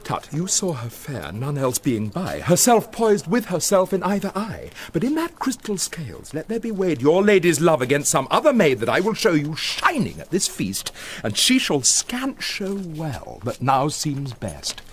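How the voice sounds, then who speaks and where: An actor with a British accent playing a confident, teasing young gentleman persuading his friend in a Shakespearean radio drama. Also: a little high, wildly swooping pitch, moderate pace, slight background noise.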